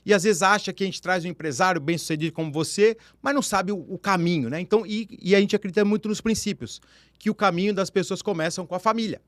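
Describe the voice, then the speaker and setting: High-voiced radio host. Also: male voice, quick pace, fairly bright tone, no room sound, studio quality. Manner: chatty, talks in long run-on sentences. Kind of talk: radio interview, reading guest bio. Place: radio studio.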